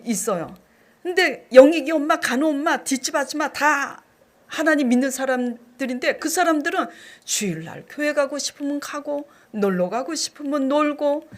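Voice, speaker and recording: A woman senior pastor delivers a sermon built on personal stories. Her voice sits high, and she swings between hushed asides and loud outbursts as she acts out what she once said. She is middle-aged and talks in a lively, animated way.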